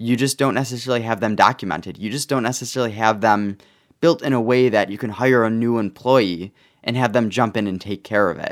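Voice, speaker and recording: An ordinary speaking voice moves at a fairly quick pace with fairly even intonation, recorded very cleanly against a silent background. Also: man, medium pitch for a man. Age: 20s. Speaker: small business owner and podcast host. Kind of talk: solo monologue podcast. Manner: casual with frequent fillers.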